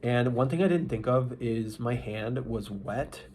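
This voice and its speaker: A man giving a casual, unscripted vlog recap, speaking in a halting, rambling way with mid-thought restarts. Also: medium pitch, a little mellow. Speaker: vlogger. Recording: noisy ambient background.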